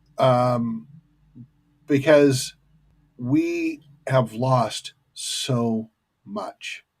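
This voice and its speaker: An American accent at a very slow pace, with ordinary pitch variation and long, frequent pauses. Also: man, medium pitch for a man. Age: 60s. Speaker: podcast guest. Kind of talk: casual chat.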